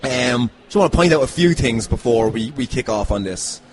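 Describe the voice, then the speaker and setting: A man's voice: medium pitch, expressive, normal speed, over music. An Irish man hosting a podcast in casual banter, giddy and sweary. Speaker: podcast host.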